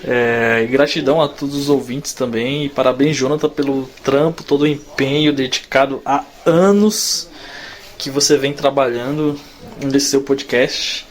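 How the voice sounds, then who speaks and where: A man recording a friendly greeting for the podcast's listeners, speaking slowly with casual slang. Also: medium pitch, fairly even intonation. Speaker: guest sending a recorded greeting. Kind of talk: recorded congratulations message.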